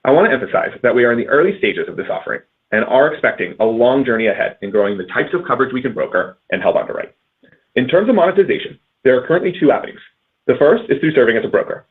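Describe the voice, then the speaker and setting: A man reading a scripted earnings call presentation as a company finance executive, in measured corporate phrasing with stressed transitions. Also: medium pitch, husky, narrow, tinny audio.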